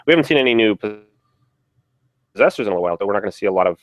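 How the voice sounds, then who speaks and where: A man hosting a casual podcast chat about a tabletop game, relaxed and rambling, with many fillers and restarts. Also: fairly low pitch, rapid-fire, no echo. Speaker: podcast host.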